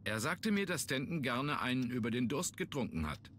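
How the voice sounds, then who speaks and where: An actor playing a businesslike police inspector in a video game, inquisitive and matter-of-fact. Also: male voice, medium pitch, lively intonation, moderate pace, fairly bright tone, a little hiss or hum, natural voice. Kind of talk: German video game voice acting.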